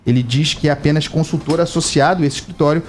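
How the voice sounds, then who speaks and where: A man's voice: quick pace, slight background noise. A man from Brazil giving emphatic, indignant political commentary on live radio, his voice climbing sharply when he stresses a point. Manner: emphatic, indignant, animated pitch rises. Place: radio studio.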